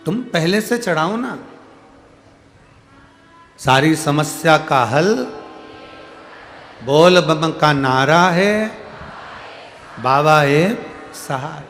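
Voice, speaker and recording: A man's voice: a little high, extremely slow, long pauses, fairly bright tone. A man preaching as a Hindu scripture storyteller to a gathering, emphatic, repeating phrases and drawing out words. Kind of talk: devotional sermon to a gathering, reading out devotees' letters. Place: large public religious gathering. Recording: echoey large-venue PA with music.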